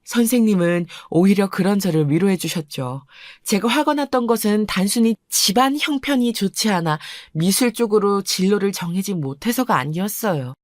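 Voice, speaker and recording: A woman narrating a first-person story in a calm, confiding way. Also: medium pitch, dry recording, clean studio sound.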